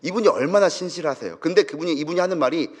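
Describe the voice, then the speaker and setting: A man's voice: fairly high pitch, expressive, very fast. A young adult man, a pastor, telling a story in a sermon with dramatic feeling. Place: church sanctuary. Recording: church hall with long reverb.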